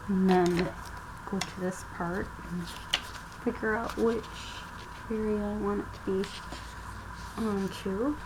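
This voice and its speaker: Slow-talking woman crafting and thinking aloud. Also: mid-range voice. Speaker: craft vlogger. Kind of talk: casual craft tutorial narration. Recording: audible background noise.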